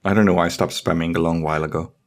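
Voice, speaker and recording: A man co-hosting a podcast, talking and reading aloud with a gravelly, creaky voice. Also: deep voice, fairly even intonation, rapid-fire. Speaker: podcast co-host. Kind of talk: casual panel chat with some mock-dramatic reading.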